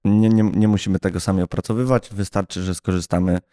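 A man's voice: deep voice, fairly even intonation, fast talker, warm tone, no echo, clean studio sound. A man co-hosting a podcast in casual conversation, often chiming in with short agreements. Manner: brief, agreeing interjections. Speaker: podcast co-host.

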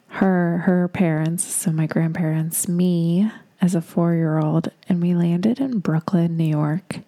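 A woman's voice: lowish voice, dark tone. A young woman who spoke Russian first, hosting her own podcast and rambling chattily about her life. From Moldova. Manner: chatty and rambling, with frequent likes and you-knows. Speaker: podcast host, makeup artist. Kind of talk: casual solo podcast monologue.

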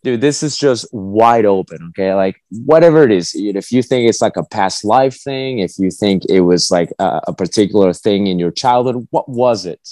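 A man's voice: lowish voice, moderate pace, few pauses, a little mellow, no room sound. A man who grew up in South America, hosting an interview and asking loose, filler-heavy questions. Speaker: podcast host.

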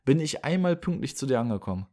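A man's voice: mid-range voice, very animated, fast talker, mellow. A young man co-hosting a podcast, chatting casually and teasing his co-host with exaggerated complaints. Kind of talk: casual chat.

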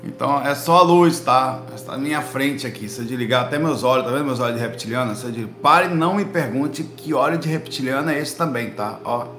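A man with a Pernambuco accent from northeast Brazil, telling stories to camera in animated, slangy bursts. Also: medium pitch, fairly quick, hardly any pauses, roomy sound, soft background music. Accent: Pernambuco Portuguese. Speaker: spiritual vlogger answering viewers. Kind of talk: casual talk to camera. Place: indoor room with a light behind him.

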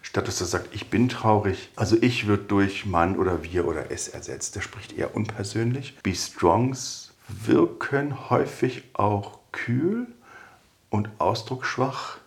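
Low, gravelly-voiced man explaining casually. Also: measured pace. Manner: explains in a relaxed way, with colleague anecdotes. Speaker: podcast expert on personality development. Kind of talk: conversational explanation.

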